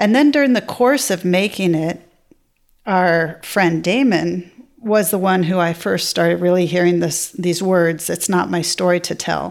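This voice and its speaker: Speaking in a normal speaking voice with an American accent, a woman talks at a fairly slow pace with fairly low pitch and ordinary pitch variation. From Virginia, US South. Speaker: TV director. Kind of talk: interview.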